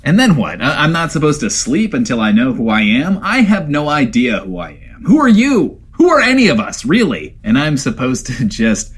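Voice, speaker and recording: An actor playing a neurotic, self-doubting radio host in a post-apocalyptic comedy audio drama, rambling and stammering theatrically. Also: male voice, fairly high pitch, huge pitch swings, moderate pace, hardly any pauses, husky, full character voice. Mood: anxious, bewildered. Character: neurotic, self-doubting male bunker-dwelling radio host, putting on bravado. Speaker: radio show host character.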